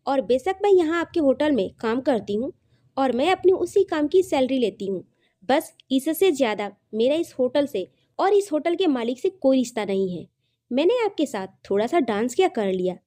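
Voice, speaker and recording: Feisty young hotel employee for an audio love story, played by a woman narrator: high, animated, indignant, theatrical scolding. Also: moderate pace. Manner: scolding, dramatic, mixing in English words.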